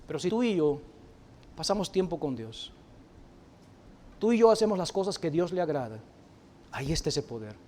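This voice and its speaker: A man preaching a church sermon to his congregation, moving from hushed, slow phrases to loud, emphatic declarations. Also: a little high, very animated. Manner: addresses the congregation directly and calls people up to the front.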